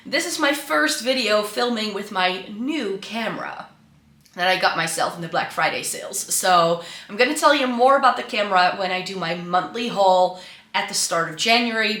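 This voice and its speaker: Stuffy and a little raspy from the flu, a Dutch beauty vlogger talks to camera beside a Christmas tree at home, chatting with frequent ums and restarts. Her mid-range voice has a bright tone, and the camera mic set back from her makes the room sound echoey.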